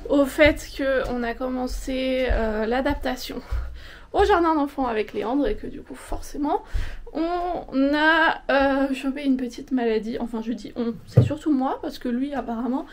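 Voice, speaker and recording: A woman's voice: high voice, unhurried, soft background music. A young woman, tired and sniffly with a cold, chatting casually at home for her vlog with lots of hesitant fillers. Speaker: vlogger. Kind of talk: casual vlog chat to camera.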